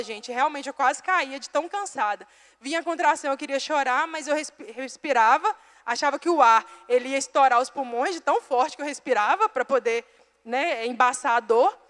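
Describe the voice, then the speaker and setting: High-voiced young woman preaching, reverberant hall. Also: fairly bright tone. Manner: chatty storytelling, addresses listeners as "gente". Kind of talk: sermon with personal testimony. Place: church hall.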